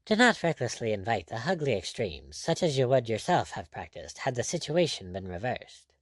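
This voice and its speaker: A man voicing a cool, courteous, mocking pirate captain, quietly firm and sardonic, in an audiobook adventure story. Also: mid-range voice, very animated, normal speed, no echo. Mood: calm, mocking.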